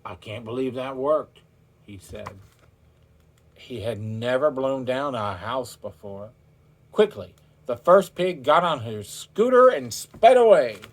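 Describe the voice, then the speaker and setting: A man narrates a children's story with theatrical flair, stretching words for emphasis and addressing his listeners directly. His medium-pitched voice is animated and slow.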